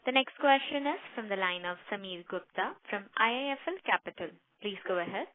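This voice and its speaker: A woman's voice: mid-range voice, animated, brisk, no room sound. A woman formally moderating a conference call as the operator. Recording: dry narrow tinny phone line.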